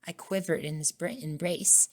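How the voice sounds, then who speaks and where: A woman narrating a scripted first-person ASMR story in a soft-spoken way. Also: lowish voice, normal speed. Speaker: narrator and voice actor.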